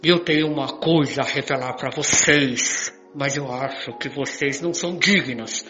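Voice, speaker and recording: A man's voice: medium pitch, normal speed, sharp tone, lightly acted. An older Brazilian man playing a boastful, romantic old womanizer in an amateur radio soap. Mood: wounded, boastful. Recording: muffled, echoey voice clip with faint music.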